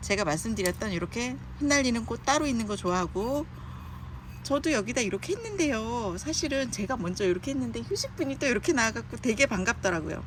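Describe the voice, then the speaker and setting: Her medium pitch swinging very widely, a woman talks at a fairly quick pace. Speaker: online pot seller. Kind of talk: sales pitch.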